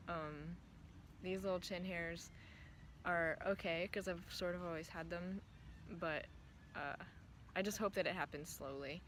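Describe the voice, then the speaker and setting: A trans man whose voice is still often heard as female, talking thoughtfully with many pauses and restarts in a casual vlog. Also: a little high. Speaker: vlogger. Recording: steady clear background noise.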